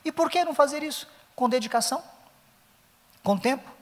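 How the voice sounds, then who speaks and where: Brazilian pastor, middle-aged man, high pitch, emphatic repeating lecture style, reverberant hall. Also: fairly quick. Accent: Brazilian Portuguese. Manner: emphatic, repeats key phrases. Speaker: pastor teaching Sunday school teachers. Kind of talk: conference lecture.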